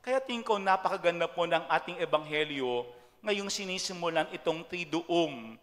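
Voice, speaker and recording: A middle-aged man with a Filipino accent, a priest giving a sermon, telling stories and slowing down to stress key phrases. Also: fairly high pitch, a bit bright. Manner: storytelling, slows to stress English key phrases. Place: large church. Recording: long church reverb.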